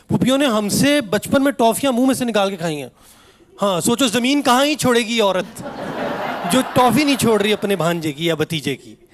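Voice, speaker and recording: A young man performing a stand-up comedy set, telling family stories and acting out his relatives in an animated way. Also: high-pitched, a little hiss or hum. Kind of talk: stand-up routine. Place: comedy stage before a live audience.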